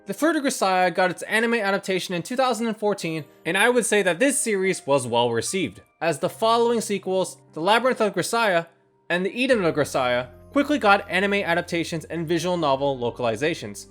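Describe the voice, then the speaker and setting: Video reviewer, scripted narration, measured first-person commentary, medium pitch, music underneath. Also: expressive, a bit bright. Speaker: video host, anime reviewer. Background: background music.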